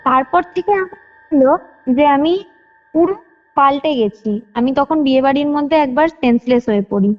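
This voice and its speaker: On a phone call, a young woman recounts a personal ghost experience in detail, repeating phrases for emphasis. Her voice sits high and is expressive at a moderate pace, with faint music in the background.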